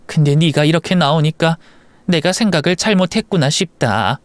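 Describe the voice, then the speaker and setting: A man voicing a gentle, regretful elderly mother who speaks softly and haltingly, in a storybook narration. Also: fairly high pitch, no room sound, lightly acted. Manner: soft, halting, remorseful. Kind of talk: storybook voice acting.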